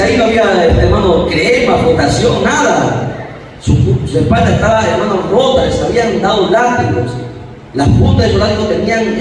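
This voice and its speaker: A man preaching an interactive sermon, emphatic and swinging between loud and soft, who questions the congregation and calls on members by name. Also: sits high. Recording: echoey hall, far from the mic, faint noise.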